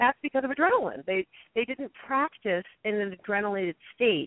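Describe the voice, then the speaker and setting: A woman with a plain, everyday voice, fairly quick pace and ordinary pitch variation. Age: 40s. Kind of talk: radio interview.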